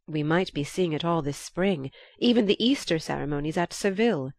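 A woman voicing a young gentleman who pleads urgently and persuasively. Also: deep voice, expressive, brisk, dry recording. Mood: pleading. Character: young gentleman, eager and pleading, sometimes exasperated.

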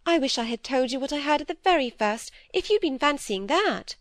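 A woman narrator voices a timid old spinster, pitching her voice high and quavering with worry. The fretful character pleads in a brisk, fluttering rush with lively intonation, close to tears. The recording is dry, close, and without echo.

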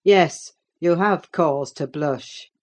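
A woman voicing a cold, scornful middle-aged man who speaks slowly and deliberately in an audiobook. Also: low voice, a little mellow. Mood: menacing. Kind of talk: audiobook character reading.

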